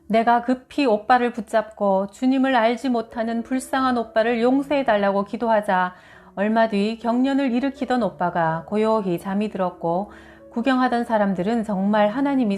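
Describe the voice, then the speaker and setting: A woman narrator reads a scripted first-person story in a fairly high voice. Her delivery is measured and clearly read aloud, with faint music underneath. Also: a little mellow. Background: background music.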